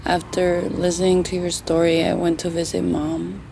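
A woman playing a grieving young grandchild in a hushed, halting, intimate audio fiction monologue. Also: lowish voice, monotone, creaky, a little hiss or hum. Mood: tender, grieving.

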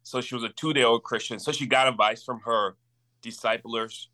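A man in his twenties, originally from Liberia, speaks as a guest on a podcast. His voice is bright and forceful, and he tells his story in an earnest, animated way. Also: medium pitch, moderate pace. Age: 20s. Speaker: campus minister, guest. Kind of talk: casual interview storytelling.

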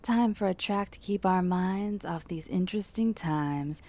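A woman's voice: on the low side, measured pace, dark tone. An actress playing a female late-night radio DJ with easygoing, breezy patter. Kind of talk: audio drama acting.

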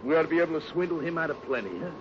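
A crass, eager con man played by an actor in a 1950s radio play, talking in wise-guy slang. His voice sits on the high side. The old recording is dull, with clear noise. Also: animated, rapid-fire, lightly acted. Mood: puzzled, pushy. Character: crooked male con artist, crass, eager, slightly slow. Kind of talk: 1950s radio drama acting.

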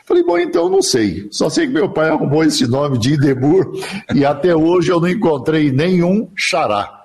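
Older man, radio announcer, São Paulo interior accent, lively pitch, slightly husky. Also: moderate pace. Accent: Brazilian Portuguese, São Paulo interior. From interior of São Paulo state, Brazil. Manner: chatty, laughs easily, rambling anecdotes. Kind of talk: relaxed storytelling interview. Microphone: remote online recording.

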